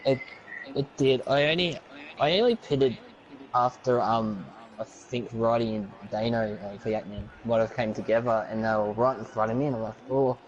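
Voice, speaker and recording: A man's voice: medium pitch, steady tone, moderate pace, muffled recording. A man from Tasmania, interviewed after winning, out of breath and hesitant. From Tasmania, Australia. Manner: hesitant, many ums. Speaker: race winner interviewed.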